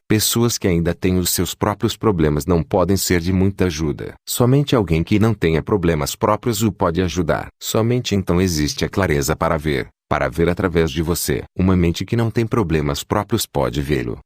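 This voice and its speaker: A man with a very low, deep voice reads a spiritual discourse slowly and steadily. His tone is measured and instructive. The recording is dry and close, with no room sound. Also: lively intonation, darkish tone, no echo. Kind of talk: calm read-aloud spiritual discourse.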